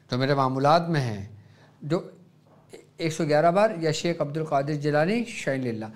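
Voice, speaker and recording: A man with a Pakistani Urdu accent, a Sufi spiritual guide, patiently explaining devotional practice step by step and softly demonstrating the chants. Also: on the high side. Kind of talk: religious instruction.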